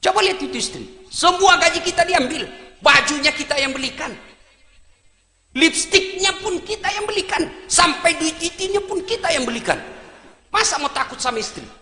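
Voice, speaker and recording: A man preaching a humorous sermon to a congregation, emphatic and teasing, moving between quiet asides and shouts. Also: very high-pitched, lively intonation, moderate pace. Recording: echoey hall, faint noise.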